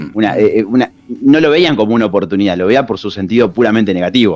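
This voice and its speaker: A man speaks in a fairly low voice with lively intonation over background music. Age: 30s. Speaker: history teacher and researcher. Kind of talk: radio interview. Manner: halting, many fillers and repetitions.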